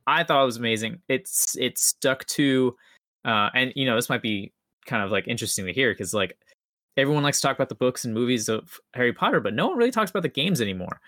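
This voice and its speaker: Young man chatting, bright forceful voice. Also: medium pitch, expressive, quick pace, dry recording, studio quality. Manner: enthusiastic, rambling, slangy. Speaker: podcast co-host. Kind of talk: casual chat.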